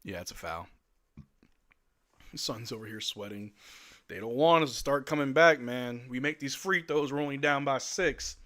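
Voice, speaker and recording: A man hosting a live watch-along stream, giving play-by-play commentary and joking reactions as an excitable fan talking to his chat. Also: medium pitch, normal speed. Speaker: livestream host.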